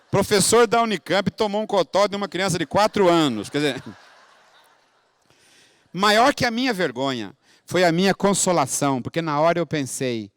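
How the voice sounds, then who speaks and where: A man's voice: a little high, a bit bright. A middle-aged man, a university professor, giving a lecture at a conference. He tells anecdotes and keeps tagging his points with a rhetorical question. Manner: anecdotal, frequently tags with rhetorical "né?". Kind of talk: storytelling lecture. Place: conference hall.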